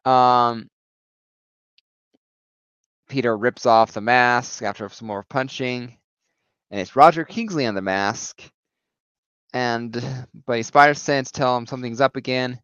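Male comic reviewer, smooth clear voice, loose rambling delivery full of "uh"s, dry and slightly dull recording. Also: mid-range voice, a little slow, pauses often, a bit bright, no room sound. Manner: rambling, many fillers and restarts. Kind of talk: casual comic recap.

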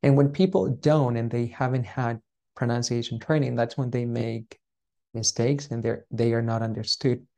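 A man who is the guest on an interview, explaining his views earnestly and ending many points with a quick "right?". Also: medium pitch, fairly even intonation, vocal fry, warm tone. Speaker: guest, founder of a pronunciation coaching business. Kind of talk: casual interview chat.

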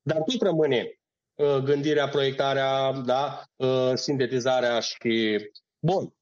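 On a podcast, a male acting teacher explains things in a didactic manner, laying out steps and checking in with his listener. His voice is medium in pitch and steady, and the recording sounds dull and lo-fi.

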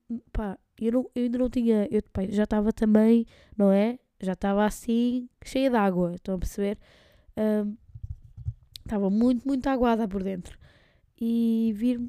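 Young woman, European Portuguese accent, podcast host; rambling slangy storyteller, mellow higher voice, dry close sound. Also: no room sound. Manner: rambling, slangy, laughing often.

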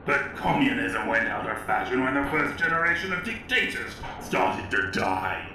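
A man's voice: medium pitch, sing-song, moderate pace, natural voice. An actor playing a bitter, pompous older writer, narrating his own story in a scornful way in an audio drama. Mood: wry, regretful. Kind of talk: dramatic first-person narration. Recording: very echoey, distant from mic, faint noise.

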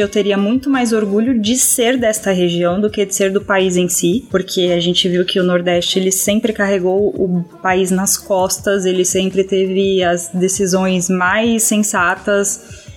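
A woman's voice: mid-range voice, fairly even intonation, a little slow. A woman from São Paulo chatting casually in a group discussion, ironic and talkative. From São Paulo, Brazil. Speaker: discussion participant.

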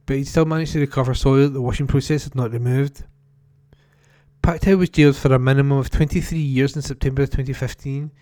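Mellow-toned man reading a news report. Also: medium pitch, no room sound. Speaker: newspaper article reader. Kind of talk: read-aloud news report.

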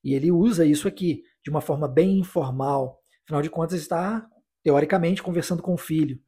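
Brazilian teacher, dark husky voice. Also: male voice, on the high side. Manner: explains phrases, then repeats English lines slowly for practice; encouraging, with tag questions like "né?" and "tá?". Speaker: English teacher. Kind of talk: podcast language lesson.

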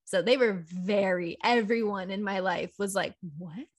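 Soft-spoken woman comedian chatting. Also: medium pitch, a little slow. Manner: soft-spoken, laughs often, thoughtful. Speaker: stand-up comedian guest. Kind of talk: casual interview chat.

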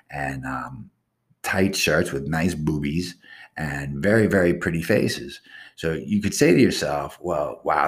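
A man hosting a casual solo podcast, rambling in a boastful, crude way. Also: low-pitched. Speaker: podcast host.

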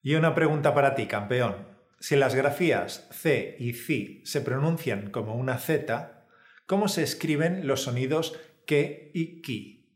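A man's voice: mid-range voice, measured pace. A man co-hosting a scripted language lesson, encouraging the viewer in an upbeat, coach-like way. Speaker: Spanish teacher, co-host. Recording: roomy sound with faint music.

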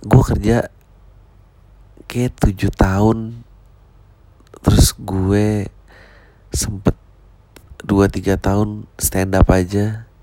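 Dark mellow low voice, guy in his 30s, comedian chatting loose, swears a lot. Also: flat delivery, drawn-out words, long pauses, dry recording. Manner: slangy, mixes in English phrases, swears casually. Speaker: stand-up comedian. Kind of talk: casual reflective chat.

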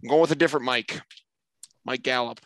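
A slightly hoarse man co-hosting a casual fantasy football podcast, bantering quickly. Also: medium pitch, a bit bright, no room sound, studio quality. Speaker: podcast co-host.

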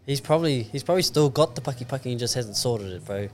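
A man's voice: medium pitch, animated, quick pace. A man chatting casually as a podcast guest, slangy and laid-back. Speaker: podcast guest, competitive surfer. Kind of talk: casual chat. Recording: faint background noise.

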